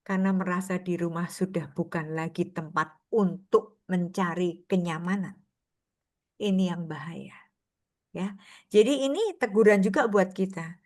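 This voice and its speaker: A woman's voice: on the low side, a little slow, a little mellow. An older woman giving an informal sermon to a prayer group, chatty and anecdotal, often laughing between stories.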